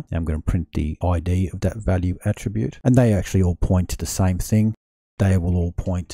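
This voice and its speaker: With a very deep, low pitch and a dark, mellow tone, a man speaks somewhat breathily with ordinary pitch variation, the sound dry with no echo against a quiet background. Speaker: programming instructor. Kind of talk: tutorial.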